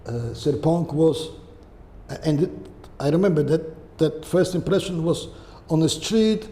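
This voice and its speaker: An older man with a Polish accent, answering interview questions in a halting way and often checking in with "okay?" or "right?". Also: on the high side, warm tone. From Poland. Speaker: guest. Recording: echoey room with long reverb and faint hiss.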